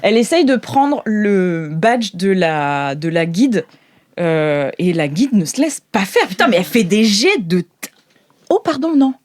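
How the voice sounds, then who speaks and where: A woman's voice: mid-range voice, lively intonation, unhurried. A woman narrating an improvised tabletop game informally as game master.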